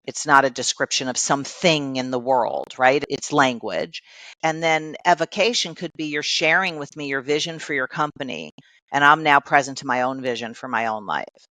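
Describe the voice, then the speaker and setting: A woman's voice: rumbling low, normal speed, pushed and bright, no room sound. A woman life coach, a podcast guest, explaining ideas patiently with many everyday examples.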